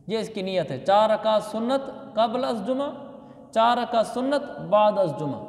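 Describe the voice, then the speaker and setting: A man's voice: high voice, darkish tone. Man, religious teacher, patient, repeats key points, long hall reverb. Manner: patient, explains step by step, repeats key phrases. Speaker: mufti teaching Islamic law. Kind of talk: religious lesson.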